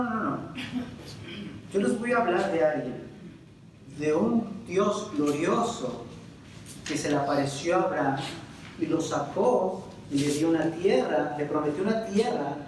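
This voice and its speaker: A Puerto Rican man teaching a Bible lesson like a sermon, his somewhat high voice rising into loud stresses and sinking into slow, drawn-out words. He puts questions straight to his listeners. He is recorded from some distance in a very echoey room, with faint noise underneath. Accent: Puerto Rican Spanish. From Puerto Rico. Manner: addresses the audience directly with questions. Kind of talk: Bible class lecture, preaching style.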